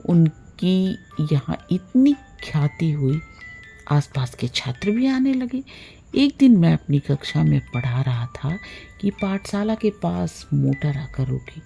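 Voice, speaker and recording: Low-voiced woman reading a story, slightly creaky. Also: expressive, slow pace, warm tone, soft background music. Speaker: storyteller reading short stories aloud. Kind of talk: scripted audiobook-style narration of a literary story.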